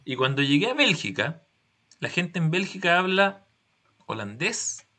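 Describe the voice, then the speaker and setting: A male teacher with a Chilean accent walks his students through an idea, pausing to ask if they follow. His voice is bright and on the higher side, and it swings up and down with plenty of life. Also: big pitch swings. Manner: patient, explanatory, uses examples and check-in questions. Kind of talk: classroom explanation.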